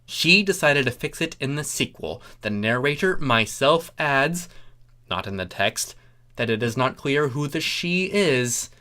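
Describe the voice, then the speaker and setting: A narrator reading comic fan fiction aloud in a deliberate, theatrical way, with wry asides. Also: mid-range voice, lively intonation, bright, forceful tone. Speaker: narrator, story reader.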